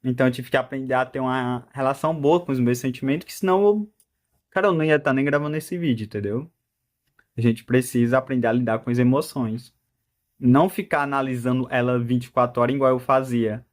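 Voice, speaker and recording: A Brazilian Portuguese-accented vlogger in his twenties talks briskly in a mid-range voice. His casual monologue rambles, full of self-interrupting restarts and frequent laughs.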